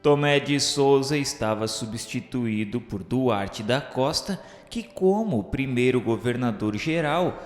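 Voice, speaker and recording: Man, mid-pitched voice, solemn radio drama narration, formal declamatory delivery, long reverb, music behind. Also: lively intonation, unhurried, hardly any pauses. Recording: reverberant echoey hall sound with music.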